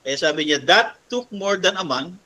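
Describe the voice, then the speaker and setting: Bright-voiced preacher man. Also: high-pitched, animated, moderate pace. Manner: mixes Tagalog with English quotes, asks "di ba?" often. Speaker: pastor. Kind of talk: sermon.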